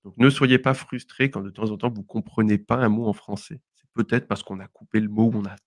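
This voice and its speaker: In clean studio sound with no echo, this podcast co-host and French teacher from southwest France, a young man, covers everyday expressions in a relaxed lesson. He's patient, friendly, and quick to laugh, speaking a little fast in a lowish voice with fairly even intonation.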